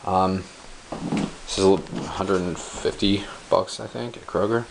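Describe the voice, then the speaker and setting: Young male vlogger, very low-pitched, casual and profane, filler-heavy; home kitchen, handheld cam, crinkly packaging noise. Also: measured pace, vocal fry. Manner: laid-back, slangy and profane, many ums and uhs. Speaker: bodybuilder vlogger. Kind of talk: casual grocery haul show-and-tell. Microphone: handheld camera held close. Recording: crinkling bags and clicks close by.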